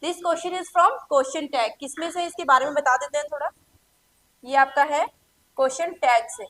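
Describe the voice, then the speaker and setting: An Indian woman teaching English for an exam, who switches between Hindi and English, reads example sentences slowly, and asks the class questions that she then answers herself. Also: high-pitched, pushed and bright. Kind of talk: exam-prep lesson.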